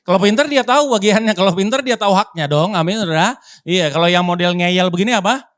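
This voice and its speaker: Middle-aged preacher with a higher voice. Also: male voice, fast talker, a bit bright. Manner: colloquial, teasing, asks the congregation for responses. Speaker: pastor. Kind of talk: sermon with humorous storytelling.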